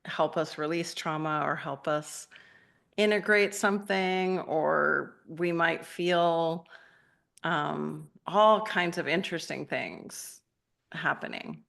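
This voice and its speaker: A woman from Argentina, a meditation teacher, chatting casually and gently with participants in a live session, rambling a little and laughing often. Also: sits low, takes it slowly, creaky.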